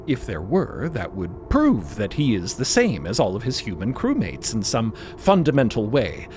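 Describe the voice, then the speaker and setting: Very animated male narrator. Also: lowish voice, normal speed, slight background noise. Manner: theatrical, expressive. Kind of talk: scripted dramatic storytelling narration.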